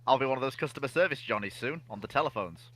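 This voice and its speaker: A man's voice: mid-range voice, expressive, racing, fairly bright tone, a little hiss or hum. A man co-hosting a livestream in casual chat, with jokey asides. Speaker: livestream co-host.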